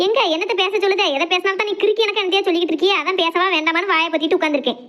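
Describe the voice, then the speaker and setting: A woman's voice: extremely high pitch, fairly even intonation, racing, fairly bright tone. A woman voicing a cranky, sarcastic elderly mother-in-law in a cartoon comedy, scolding in a southern Tamil Nadu accent. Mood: irritated scolding. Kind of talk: cartoon comedy drama dialogue.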